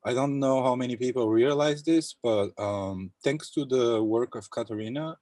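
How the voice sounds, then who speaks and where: A young man from Bulgaria speaking thoughtfully in an academic round-table discussion on a video call, pausing often with fillers. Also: mid-range voice, darkish tone, dry recording. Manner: thoughtful, hesitant with many fillers. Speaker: panel speaker.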